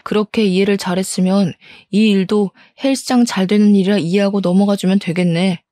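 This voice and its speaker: A woman's voice: mid-range voice, steady tone, a little fast, warm tone, no room sound, studio quality, close to an everyday voice. A woman voicing an angry cheating husband who blusters, scoffs and shifts the blame. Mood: defensive. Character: angry, defensive cheating husband in his thirties. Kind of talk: audio story dramatization.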